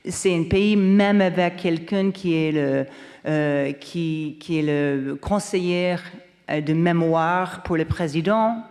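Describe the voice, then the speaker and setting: Slow, halting woman from Canada. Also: lowish voice, a little mellow. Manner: halting, searching for words, many restarts. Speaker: journalist panelist. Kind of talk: round-table remarks. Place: lecture hall. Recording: long hall reverb.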